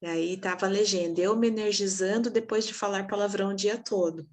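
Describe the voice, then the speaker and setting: A woman's voice: mid-range voice, fairly even intonation, a little fast. Chatty woman leading a group. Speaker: group facilitator. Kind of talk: casual group chat.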